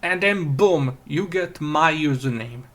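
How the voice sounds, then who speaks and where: A man from Serbia with a Serbian accent, hosting a casual chat, crude and excitable when he rants. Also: on the high side, a little slow. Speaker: channel host.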